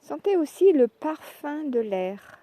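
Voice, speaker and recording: A woman leading a guided yoga relaxation, speaking calmly and in measured short phrases with pauses. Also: sits high, dry recording. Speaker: yoga nidra relaxation instructor. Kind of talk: guided meditation, soft instructional narration.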